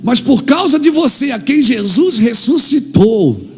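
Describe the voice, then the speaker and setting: Male preacher, fervent sermon, raised high voice, rough gravelly edge, faint music behind. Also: big pitch swings, measured pace. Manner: fervent preaching, acting out dialogues, building to shouts.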